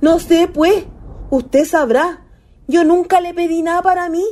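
A woman's voice: very high voice, fairly even intonation, measured pace, a little mellow, slight background noise. A woman playing a lovestruck young ghost, a naive country girl with a Chilean accent and earnest colloquial speech, in a radio play. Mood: pleading. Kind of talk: radio theatre acting.

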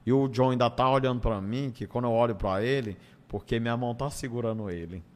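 A slightly mellow, medium-pitched man talks fast as he tells casual stories during an interview. The northeastern Brazilian stand-up comedian uses colloquial speech, acts out bits, and repeats phrases, and long hall-like reverb colors the recording.

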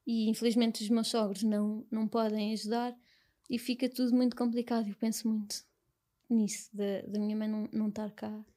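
A young woman with a European Portuguese accent, speaking as an interview guest in a soft, halting, reflective way. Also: fairly high pitch, level tone. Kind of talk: personal conversation.

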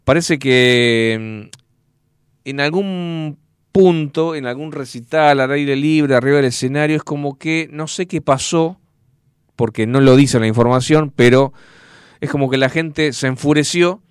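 A man's voice: mid-range voice, a little slow, clean tone, no room sound, clean studio sound. A man with a Rioplatense Spanish accent, hosting a radio show and telling a story in a chatty way, full of fillers. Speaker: radio host.

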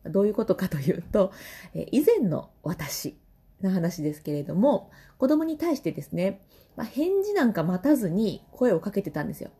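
Kansai woman in her thirties, podcast host; mellow tone, pitch swinging all over, chatty with frequent laughs. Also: big pitch swings, normal speed. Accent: Kansai Japanese. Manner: chatty, laughs often between phrases. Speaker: podcast host and vocal trainer. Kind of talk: casual solo podcast talk.

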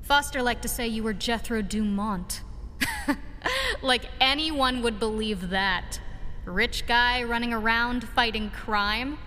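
A woman's voice: a little high, slow, bright, forceful tone. An actress playing a brash, sarcastic woman adventurer in a pulp radio drama, tossing out sassy wisecracks. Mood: mocking, lively. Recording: long station reverb, faint noise.

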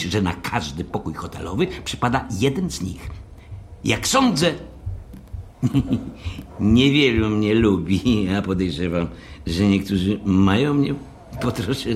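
An actor playing a stiff, self-important hotel manager in an audio drama, speaking formally and condescendingly with cold frankness. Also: male voice, medium pitch, slight background noise. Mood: disdainful, smug. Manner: formal, condescending, hesitant openings.

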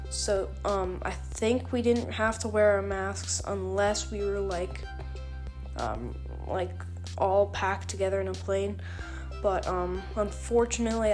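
A teenage girl hosting a casual solo podcast, rambling and joking at her own expense, her voice sore and cracky with frequent throat clearing. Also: medium pitch, darkish tone. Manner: rambling, self-deprecating, many ums and throat clearing. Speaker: podcast host.

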